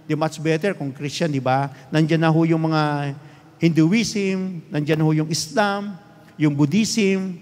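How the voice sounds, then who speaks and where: A middle-aged Filipino man preaching a lively sermon as pastor, often asking the congregation to respond. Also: on the high side, takes it slowly, long reverb tail. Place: church hall.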